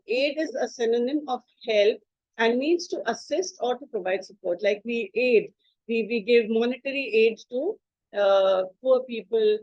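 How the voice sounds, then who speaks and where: A woman's voice: a little high, darkish tone, no echo. Woman teaching a slide lesson, dull mic. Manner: explanatory, spells out words, frequent filler uh. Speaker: English teacher.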